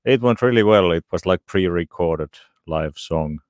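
Deep-voiced, modest man. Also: normal speed, no echo, clean studio sound. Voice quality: very low, deep voice. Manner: modest, brief answers. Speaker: singer, interview guest.

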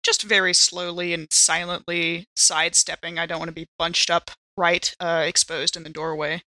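A woman's voice: fairly low pitch, flat delivery, moderate pace, bright, forceful tone, no echo, low-quality recording. A woman playing a tabletop roleplaying game, chatting casually and playfully.

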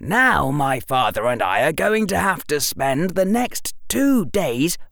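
A woman's voice: low voice, sing-song, slow, creaky, a bit bright, no echo, clean studio sound, pitched above the performer's own voice, exaggerated voice. A woman voicing a clever, eager eleven-year-old boy who argues in an earnest, wheedling way. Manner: earnest, wheedling, lawyerly reasoning.

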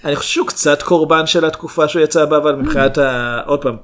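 Measured man reviewing films casually. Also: a little high, fairly bright tone. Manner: measured, hesitant, many fillers. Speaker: podcast co-host. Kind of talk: casual film chat.

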